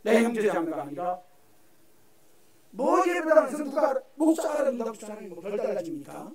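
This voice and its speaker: A man's voice: sits high, big pitch swings, brisk. A man preaching a sermon as pastor, emphatic, repeating phrases and calling out to the congregation. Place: church sanctuary. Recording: echoey hall from far off.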